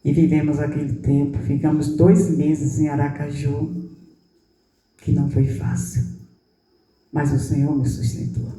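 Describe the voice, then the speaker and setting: Uma mulher de setenta anos com sotaque nordestino brasileiro, pregando como apóstola e contando um testemunho emocionado, imitando as falas das pessoas e baixando a voz com ternura. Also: female voice, deep voice, little pitch movement, measured pace, long pauses, a little hiss or hum. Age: 70s. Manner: tender storytelling, acting out quoted dialogue, voice dropping soft. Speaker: apostle preaching. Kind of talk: emotional testimony in a sermon. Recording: roomy hall, voice from a distance.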